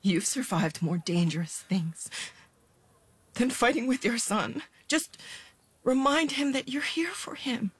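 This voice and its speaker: A gentle, consoling wife, played by a woman, speaks in a soft, breathy hush. Her voice sits a little high and moves slowly and carefully. Her tone is tender and reassuring. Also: animated, exaggerated voice. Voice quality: soft, breathy, near-whispered.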